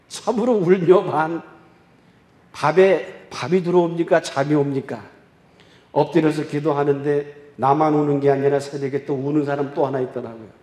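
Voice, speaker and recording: A male pastor preaching a revival sermon and telling a story, swinging from loud exclaiming to quiet confiding. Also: a little high. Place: church sanctuary. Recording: echoey church hall.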